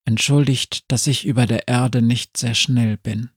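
A man voicing a proud, wary creature of the caves in a measured, guarded way. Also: mid-range voice, steady tone, breathy edge, no room sound, studio quality.

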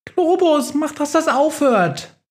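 A man voicing a nervous, jittery mouse in a children's audio story, squeaking and panicky. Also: very animated, slow, heavily acted. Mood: panicked. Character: jittery anxious female mouse.

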